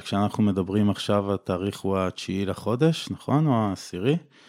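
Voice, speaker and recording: A man's fairly low voice at a moderate pace, an ordinary speaking voice, on a very clean recording over a silent background. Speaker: podcaster. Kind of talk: casual chat.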